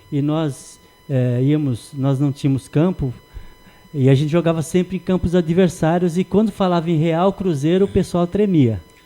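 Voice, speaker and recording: A man with a fairly high pitch and ordinary pitch variation keeps a moderate pace while noticeable background noise carries on. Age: 60s. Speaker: former amateur footballer. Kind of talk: radio interview.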